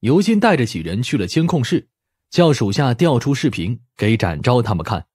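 A man's voice: mid-range voice, sing-song, normal speed, darkish tone, breathy edge, no room sound, studio quality. A man reading scripted story narration expressively, as an audiobook narrator.

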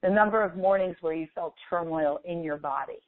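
A woman leading a guided meditation as a coach, speaking in a slow, deliberate, instructive manner with long pauses. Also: on the low side, no echo. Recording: phone-like thin, band-limited audio.

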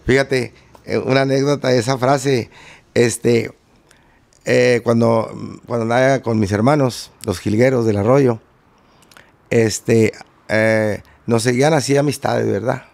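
A man speaks in a gravelly, slightly creaky voice at a mid pitch. He is a guest musician telling long anecdotes, looping back with fillers and restarts as he goes. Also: fairly even intonation, unhurried, a little mellow. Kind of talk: casual interview storytelling.

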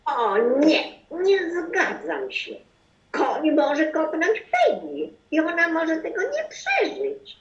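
Woman acting excitable high-voiced plotter, swooping wildly. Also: slow, full character voice. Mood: indignant. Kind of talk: amateur radio play acting. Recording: muffled, roomy home recording with music.

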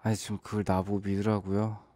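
A man acting out a late-night phone call with a stranger in a whispered role-play, speaking in a hushed, calm voice that turns urgent and reassuring. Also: fairly low pitch, fast talker, no room sound.

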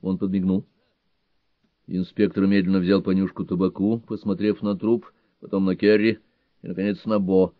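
Low-pitched guy narrating a book, steady and measured, kinda muffled lo-fi. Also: no echo. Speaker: audiobook reader. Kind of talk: scripted narration.

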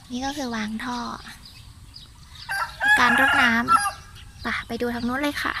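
There's background noise as a woman with a high voice and an Isan accent shows her viewers around her vegetable garden. Her tour is chatty and full of exclamations, addressed directly to the people watching.

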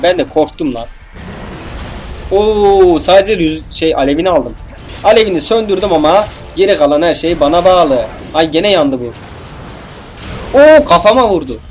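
A young man casually commentating a video game, joking, swearing and talking back to the enemies on screen. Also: on the high side. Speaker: gameplay commentator. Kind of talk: casual let's play commentary.

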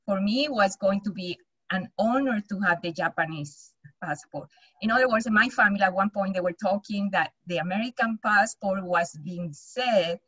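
A middle-aged woman with a Colombian accent, a native Spanish speaker, sharing personally in a halting, earnest way. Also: medium pitch, a bit bright, slightly rough, no echo, muffled recording. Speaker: participant in a group video call. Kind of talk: personal sharing in a group discussion. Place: small home office, indoors. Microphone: computer mic on a video call.

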